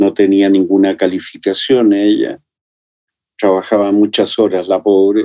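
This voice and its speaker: A man speaks with a fairly low pitch and a dark, mellow tone. The sound is dry and close, with no echo. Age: 80s+. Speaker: photographer. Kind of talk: interview.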